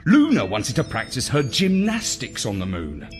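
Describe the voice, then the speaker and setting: A man reading a children's story in an expressive, deliberate, theatrical narrating style. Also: mid-range voice, over music. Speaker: story reader.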